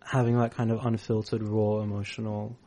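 A man's voice: on the low side, flat delivery, fairly quick, mellow. A man hosting a community radio show, chatting casually and thinking aloud with fillers. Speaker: radio host. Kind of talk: casual interview chat.

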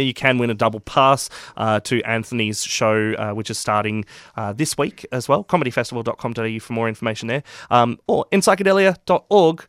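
A man's voice: mid-range voice, fairly bright tone, clear, resonant tone, no echo. An Australian man hosting community radio casually, with a hesitant, wry, self-deprecating manner. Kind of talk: casual radio presenting and interviewing. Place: radio studio.

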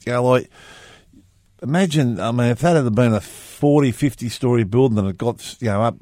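A man's voice: mid-range voice, normal speed, dark tone, no room sound, studio quality. A man co-hosting a casual podcast, rambling with crude asides. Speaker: podcast co-host. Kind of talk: casual chat.

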